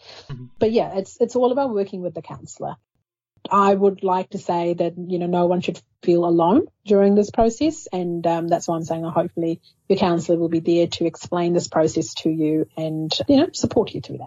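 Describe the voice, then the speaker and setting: With a New Zealand accent, a woman talks at a fairly quick pace in a fairly low pitch, using ordinary pitch variation. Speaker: counsellor. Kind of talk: interview.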